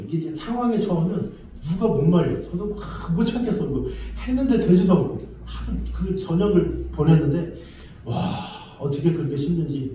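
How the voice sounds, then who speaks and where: A man preaching in a church and telling his story with vivid, excitable exclamations. His voice is mellow and a little high, and it is caught from a distance with heavy reverberation bouncing around the room. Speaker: pastor. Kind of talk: sermon. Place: church sanctuary. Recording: very echoey, distant from the mic.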